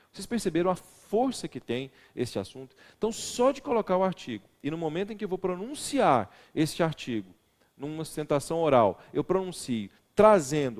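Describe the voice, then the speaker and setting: Expressive man teaching a law class. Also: mid-range voice, big-room sound. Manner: expressive, stresses words, asks the class questions. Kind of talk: recorded video lecture.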